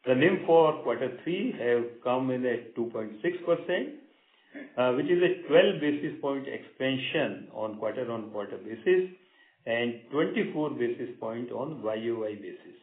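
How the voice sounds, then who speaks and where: Male bank executive, Indian accent, formal measured read of prepared results, thin phone-line audio with room echo. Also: mid-range voice, lively intonation. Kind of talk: formal prepared earnings-call remarks. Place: conference call line. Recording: roomy, narrow phone-line sound.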